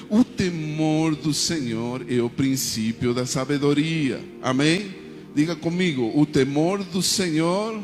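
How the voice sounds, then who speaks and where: A man's voice: fairly high pitch, big-room sound. Argentine man preaching over music. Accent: Argentine Spanish. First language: Spanish. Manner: preaching with call-and-response prayers and frequent "amém". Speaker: pastor. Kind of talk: sermon.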